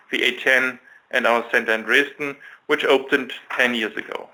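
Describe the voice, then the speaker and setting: A man giving a scripted financial results presentation as a chief executive, in a formal, measured manner. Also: medium pitch, sharp tone, low-quality recording. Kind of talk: scripted financial presentation on an investor conference call.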